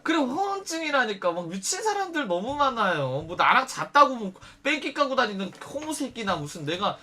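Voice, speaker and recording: A man's voice: very high-pitched, fairly quick. A young man telling a story to his viewers in a casual way, blunt and full of swearing. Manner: blunt, profane, animated storytelling. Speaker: streamer.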